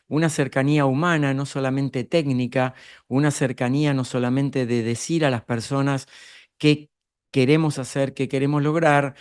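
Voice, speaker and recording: An Argentine man speaks at a middle pitch, explaining ideas about leadership to a live audience. He talks in an explanatory way, turning to the room with rhetorical questions. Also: a little mellow. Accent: Argentine Spanish. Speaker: speaker on leadership and emotional intelligence.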